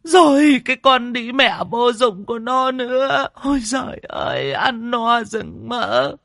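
A man voicing a grieving old grandmother who wails, sobs and curses in a shrill lament. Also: lively intonation, measured pace, vocal fry, fairly bright tone, dry recording, clean studio sound, exaggerated voice. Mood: wailing grief. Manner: shrieking, sobbing lament with curses. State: crying.

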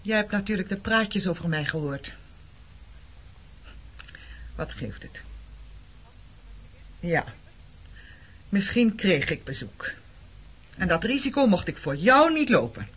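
An actress in a Dutch radio play playing a bitter, defiant middle-aged woman who speaks reproachfully with a sharp tongue. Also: medium pitch, big pitch swings, slow, pauses often, a little hiss or hum. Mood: defensive. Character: bitter, defiant woman confronting an old comrade. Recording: dull, muffled radio play recording.

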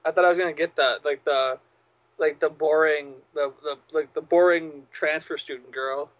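A man chats casually on a podcast, dry and sardonic, swearing freely. His voice sits a little high. The recording is dull and lo-fi. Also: steady tone, normal speed, fairly bright tone. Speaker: podcast co-host. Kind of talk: casual chat.

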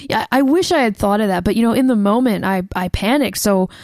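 A young American woman co-hosting a casual chat show, telling a story with lots of fillers and quick laughs. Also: mid-range voice, a little mellow, no room sound, studio quality. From United States. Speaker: podcast co-host.

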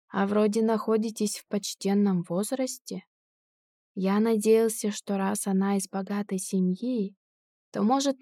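A woman voicing a drunk, cold-blooded male tramp who robs graves, speaking slowly and sneeringly in an audiobook. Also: mid-range voice, mellow, dry recording, clean studio sound, lightly acted.

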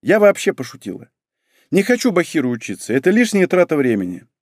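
A woman's voice: low-pitched, very animated, fast, a little mellow, no echo, clean studio sound, pitched above the performer's own voice. A male audiobook reader voicing a playful, teasing younger sister who wheedles and bounces. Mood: cheerful. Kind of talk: audiobook reading.

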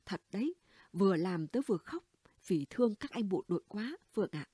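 A woman's voice: medium pitch, big pitch swings, fairly quick, warm tone, slightly rough, dry recording, clean studio sound. A woman reading the dialogue of a gossipy, blunt middle-aged neighbor woman in an audiobook, chatty and conspiratorial. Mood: gossiping.

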